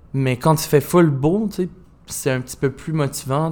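A man's plain, everyday voice with fairly even intonation. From Magdalen Islands, Quebec. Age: 20s. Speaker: musician. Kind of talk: casual chat.

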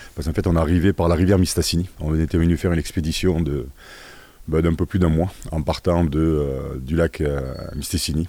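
Fairly quick and very even in loudness, a man's very deep, low voice moves with fairly even intonation. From France. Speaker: adventure tourism business owner. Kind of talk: interview.

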